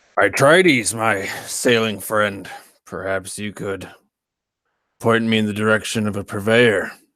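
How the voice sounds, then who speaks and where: Using a put-on character voice, a man speaks raspy and fairly low at a moderate pace, with fairly even intonation and long, frequent pauses. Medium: actual play. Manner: wry, insinuating.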